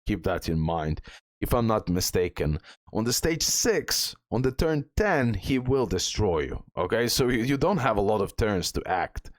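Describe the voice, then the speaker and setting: A man's voice: lowish voice, big pitch swings, moderate pace, dry recording. A man giving a casual gameplay walkthrough as a guide host, thinking aloud as he goes. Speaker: gaming guide creator, host.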